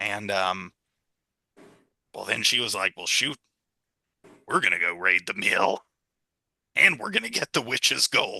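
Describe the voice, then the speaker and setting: A raspy, put-on character voice moves at a fairly slow pace, broken by long, frequent pauses. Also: man, fairly low pitch for a man. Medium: actual play. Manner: hesitant, stammering.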